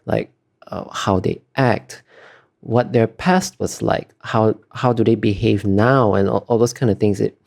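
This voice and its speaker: A man's voice: on the low side, a little slow, gravelly, a little mellow. A man being interviewed as an artist, talking casually and thoughtfully, feeling his way through explanations in trailing clauses.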